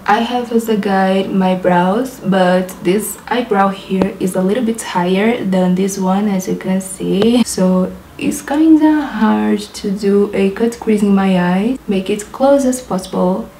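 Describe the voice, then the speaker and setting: A woman's voice: mid-range voice, measured pace, few pauses, mellow, reverberant, faint music behind, low-quality recording. A young woman from Brazil with a Brazilian Portuguese accent, chatting through a makeup tutorial in her apartment and describing each step while laughing often. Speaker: beauty vlogger. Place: apartment in a big city.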